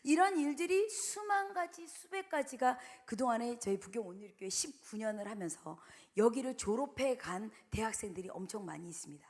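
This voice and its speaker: A middle-aged woman missionary preaching a sermon, telling stories in a lively way and acting out the quotes. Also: fairly high pitch, brisk. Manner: animated storytelling, acts out quotes.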